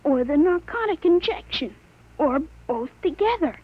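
Casting: boy of thirteen, high voice, grown-up precise diction, matter-of-fact. Vintage radio play, dull lo-fi sound. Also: sing-song, a little slow. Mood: assured, explanatory. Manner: articulate, precise, adult vocabulary. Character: thirteen-year-old boy with a 43-year-old man's mind, precocious, matter-of-fact. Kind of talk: 1950s radio drama acting. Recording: dull, lo-fi old radio broadcast.

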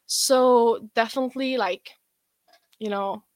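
A young woman with an Estonian accent, a guest athlete chatting in an interview, relaxed and rambling with many fillers. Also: on the high side, takes it slowly, dry recording. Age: young adult. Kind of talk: casual interview chat.

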